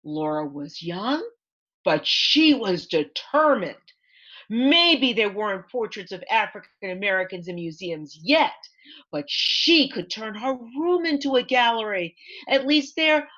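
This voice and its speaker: A woman author reading her picture book aloud to children in an expressive storytime manner, with asides to point things out. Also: fairly high pitch, lo-fi sound. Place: online library event.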